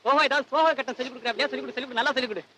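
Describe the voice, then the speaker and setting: Brief: loud, demanding dad, high, quick and bright-toned, old comedy film. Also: male voice, fairly even intonation, slight background noise. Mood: blustering. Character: pushy loud father of the actress, demanding. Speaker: heroine's father.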